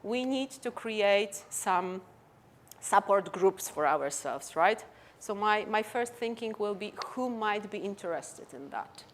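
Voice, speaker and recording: A woman with a Polish accent, a native Polish speaker, giving a conference talk and answering questions in an animated, conversational way. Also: mid-range voice, takes it slowly, slight background noise. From Poland. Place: conference stage.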